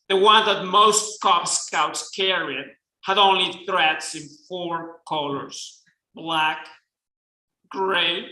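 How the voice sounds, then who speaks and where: A man's voice: high-pitched, sharp tone, full character voice. A man with a Mexican accent reading aloud as a flamboyant, unashamed gay Southern man, putting on a Southern accent. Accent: attempted Southern US. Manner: theatrical, campy read-aloud delivery. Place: bookstore event space. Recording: echoey room.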